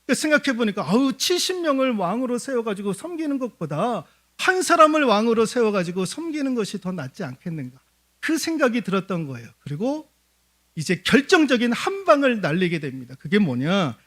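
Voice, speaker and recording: A man delivers a church sermon with a high voice that rises and falls constantly. He keeps asking the congregation questions and answering them himself, in a lively preaching manner. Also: fairly quick. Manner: animated preaching with rhetorical questions; addresses the congregation often. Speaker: pastor. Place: church service.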